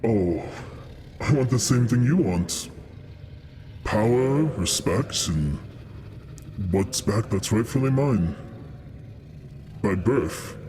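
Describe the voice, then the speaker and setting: A man's voice: lowish voice, expressive, takes it slowly, pauses often, warm tone, a little hiss or hum, voice pushed up. A man voicing a proud, sly young black dragon in a tabletop game, drawling with scorn for mortals as he bargains. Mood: sly, bargaining.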